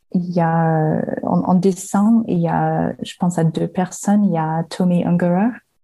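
Somewhat breathy and dark, mellow in tone, a woman with an English accent speaks at a very slow pace with ordinary pitch variation. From Western Australia. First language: English (speaking French). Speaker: ceramic artist. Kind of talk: interview. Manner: halting, many repetitions.

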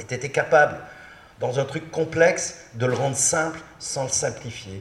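Through noticeable background noise, a man's voice comes across at a fairly high pitch. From France, Lyon. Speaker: old friend and activist. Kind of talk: eulogy at a memorial gathering.

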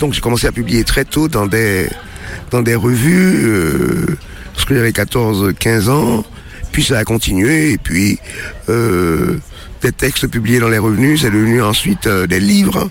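Amid noticeable background noise, a man at a medium pitch talks very slowly, with long, frequent pauses. His intonation is lively, and his loudness stays very even. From Haiti (Port-au-Prince). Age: 60s. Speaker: poet. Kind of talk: interview. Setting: outdoors.

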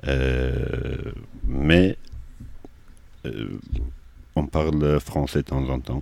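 With a Kurdish accent, a man speaks at a very slow pace in a very deep, low pitch, his intonation fairly even and his pauses long and frequent. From Iranian Kurdistan. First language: Kurdish (speaking French). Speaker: percussionist. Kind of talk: interview.

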